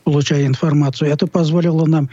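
A man from Tatarstan answering as an interview guest, explaining his library's work in an earnest, halting, self-correcting way. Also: on the high side, little pitch movement, mellow, no echo. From Tatarstan, Russia. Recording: dull, muffled lo-fi audio.

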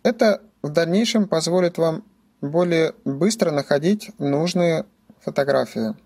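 A man's voice: a little high, expressive, measured pace, gravelly, darkish tone. A man giving scripted instructional narration as a tutorial presenter, explaining things methodically, step by step.

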